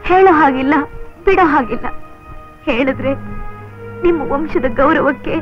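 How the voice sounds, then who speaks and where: A woman's voice: high-pitched, normal speed, close to an everyday voice. An actress playing a sorrowful middle-aged mother who pleads and confesses, in a 1980s film. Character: grieving middle-aged mother with a shameful past. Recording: dull old film soundtrack with music.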